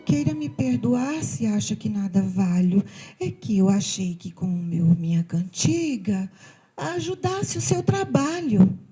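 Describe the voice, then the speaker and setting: A woman from voicing a sweet, humble female cicada who pleads in a soft, gentle way. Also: medium pitch, big pitch swings, unhurried, husky, faint music behind, full character voice. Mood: pleading.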